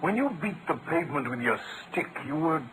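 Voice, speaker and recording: An actor playing an admiring, slightly puzzled British gentleman companion to a detective, hesitant and earnest, in old-time radio drama style. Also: a little high, lively intonation, brisk, noisy background, natural voice. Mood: curious.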